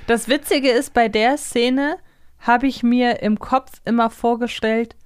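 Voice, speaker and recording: A woman's voice: on the high side, fairly even intonation, a little slow, clean tone, dry recording, clean studio sound. A woman co-hosting a podcast, chatting casually. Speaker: podcast co-host. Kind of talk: casual chat.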